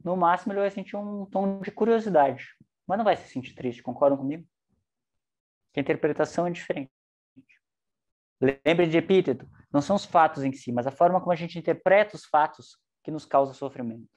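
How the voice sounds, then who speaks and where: A man giving an online psychology lecture, lively and joking, with shifting intonation. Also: on the high side, brisk.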